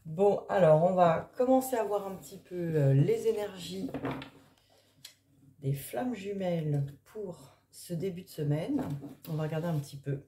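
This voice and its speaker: A woman card reader talking casually in an early-morning voice, improvising and thinking aloud in a halting way with trailing pauses. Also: lowish voice, dark tone, slight background noise. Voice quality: early-morning voice, which the speaker calls gruff. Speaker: tarot card reader and spiritual coach. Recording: echoey, reverberant room.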